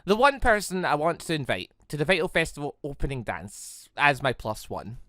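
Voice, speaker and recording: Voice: medium pitch, sing-song, normal speed, a bit bright, dry recording. A gaming video host giving casual, rambling commentary, chatty and digressive, often doubling back to correct what was just said.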